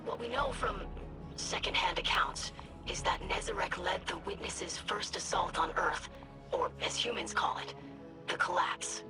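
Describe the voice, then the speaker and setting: An actress playing a young, earnest alien scribe in a video game, speaking in a formal, precise, inquisitive way. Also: female voice, mid-range voice, measured pace, whispered, over music, natural voice. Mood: studious. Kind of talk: dramatic video game acting.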